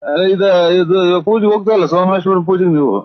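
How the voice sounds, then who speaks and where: Casual: flustered village guy rambling, kinda high, dull dry recording. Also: quick pace, no room sound. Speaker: comedy performer. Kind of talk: rural prank-call comedy dialogue.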